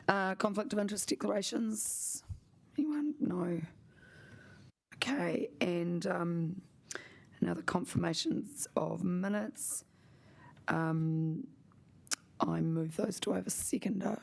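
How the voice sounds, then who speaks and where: Raspy, gravelly New woman chairing. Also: on the low side, slow pace, long pauses, darkish tone. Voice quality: raspy, slightly husky voice. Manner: hesitant, stop-start, with apologies and fillers. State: recovering from a sore throat. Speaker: committee chair. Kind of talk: chairing a council meeting.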